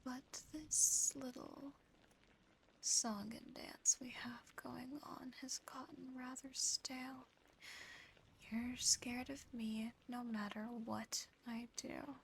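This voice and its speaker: A woman's voice: sits high, fairly even intonation, takes it slowly, slight background noise, heavily acted, rough recording. A woman voicing a seductive, possessive female demon in a whispered ASMR roleplay, close to the microphone, with a teasing, smug delivery. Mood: teasing, menacing. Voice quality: soft, breathy whisper. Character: seductive, possessive female sleep-paralysis demon admiring a human.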